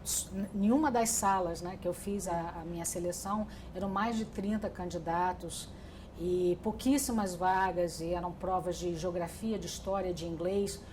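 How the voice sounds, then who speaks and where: A middle-aged Brazilian woman tells her life story in an oral history interview, reflective and thoughtful, with frequent restarts and fillers. Her voice is lowish, a little mellow, and fairly even in intonation at a normal speed, with a bit of hiss or hum.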